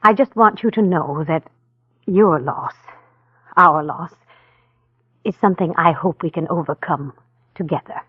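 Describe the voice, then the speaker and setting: An actress playing a gentle, wealthy older mother who talks in a soft, coaxing way, in a 1940s radio drama. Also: fairly low pitch, a little slow, long pauses, slightly rough, dry recording. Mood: tender. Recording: tinny narrow-band 1940s radio recording.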